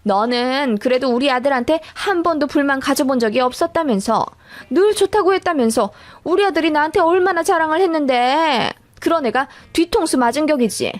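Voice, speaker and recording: Woman voicing a shrill scolding mother-in-law. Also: lively intonation, fairly quick, no room sound. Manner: nagging, accusing. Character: scolding middle-aged mother-in-law, shrill and self-righteous.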